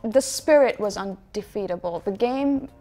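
A woman's voice: medium pitch, animated, moderate pace, dark tone, faint music behind. A young woman from Nepal, a jewelry designer guest in a studio interview, telling stories in a wry, self-mocking way. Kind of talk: casual interview chat. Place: dark studio set, indoors.

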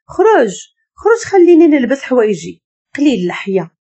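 A woman's voice: a little high, big pitch swings, fairly quick, dark tone, breathy edge, muffled recording. A woman voicing a tearful, defiant Moroccan young wife. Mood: indignant. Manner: tearful, pleading, indignant.

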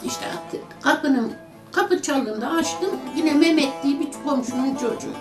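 A woman's voice: high voice, animated, a little slow. An older woman tells a personal story in an interview and acts out the voices of the people in it. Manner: vivid retelling that acts out quoted voices. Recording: echoey room with music underneath.

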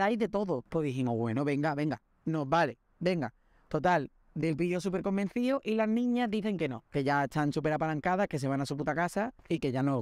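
Studio-quality audio with no room sound captures a young man from Spain, his voice on the higher side. As podcast host, he delivers lively comic anecdotes in monologue form, imitating the voices of those involved.

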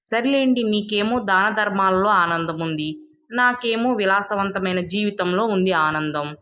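A woman's voice: mid-range voice, measured pace, a bit bright, close to an everyday voice. A woman voicing a grudging village wife who wants luxury in a moral tale, pointed and complaining. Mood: disappointed.

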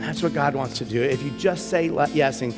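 Middle-aged male pastor, earnest sermon, long hall reverb, soft guitar underneath. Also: mid-range voice, fairly quick. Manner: earnest, repeats words, rises to urgent emphasis. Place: large church stage with a band.

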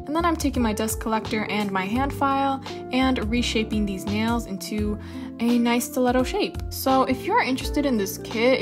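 Chatty young woman with a higher voice. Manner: chatty, laughs often, rambling asides. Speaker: nail tutorial creator. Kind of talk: casual voice-over narration. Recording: voice-over with faint music.

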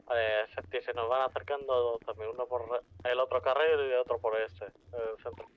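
A man's voice: mid-range voice, fairly even intonation, moderate pace. Guy on the radio to his squad, dull lo-fi sound, game roleplay. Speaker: teammate in online game. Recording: band-limited radio line with tones.

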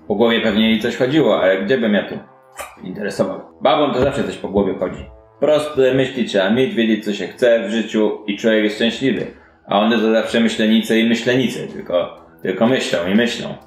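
A man's voice: on the low side, moderate pace, lightly acted. Blunt tattooed old-salt captain, played by a male game master, opinionated grumbler, roomy sound with music. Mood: musing, grumbling. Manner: blunt, grumbling, plain-spoken. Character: gruff, simple, opinionated sailor captain with tattoos.

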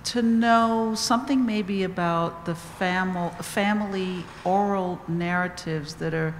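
A woman's voice: on the low side, takes it slowly, slight background noise. A woman in the audience asking the panel a long, meandering question, searching for words as she goes. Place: auditorium audience. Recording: roomy echo, distant from the mic, faint ambience.

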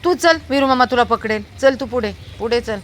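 A woman's voice: a little high, brisk, fairly bright tone. A woman chatting casually on her terrace as she films her dog and a small child, coaxing them along in a sing-song baby-talk voice. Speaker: pet owner filming her dog and a child. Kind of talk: casual home video chat. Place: home terrace outdoors.

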